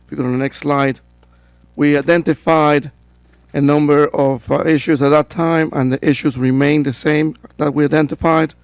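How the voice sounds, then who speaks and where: A man with a cold, hoarse, giving a steady, procedural presentation to a town council as code enforcement director. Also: a little high, moderate pace, no room sound. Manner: steady and procedural, with frequent fillers.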